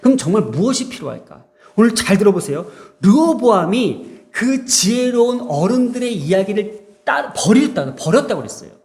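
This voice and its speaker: A man's voice: high voice, very animated, normal speed, darkish tone. A middle-aged man preaching a sermon to his church, chatty and self-deprecating, acting out little quoted exchanges. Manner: conversational, self-deprecating preaching with asides and laughs; acts out short quoted exchanges in varied tones. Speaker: pastor.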